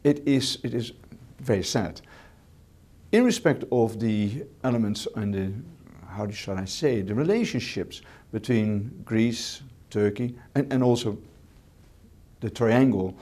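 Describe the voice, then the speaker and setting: A man with a Dutch accent, a hotel manager answering interview questions in English as a second language, measured, with repeated words and fillers. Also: lowish voice, expressive, warm tone. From Netherlands.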